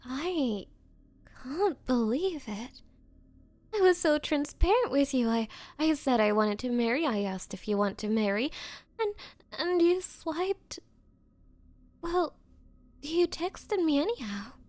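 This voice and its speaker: A woman's voice: high voice, animated, slow pace, pauses often, darkish tone, no room sound. A woman playing an obsessive, clingy yandere on a date in an ASMR roleplay, stammering and pleading with nervous giggles.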